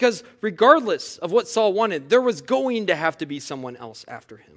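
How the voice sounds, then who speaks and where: This man's pitch is high. He talks at a moderate pace. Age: 30s. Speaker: pastor. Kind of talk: sermon. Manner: halting.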